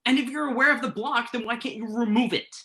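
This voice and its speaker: A woman's voice: fairly high pitch, fast, bright, forceful tone. A woman acting the part of an emphatic, wounded male writer in a staged play reading. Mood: indignant, insistent. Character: male writer Tim, pen name Tuck, joking, wounded, insistent.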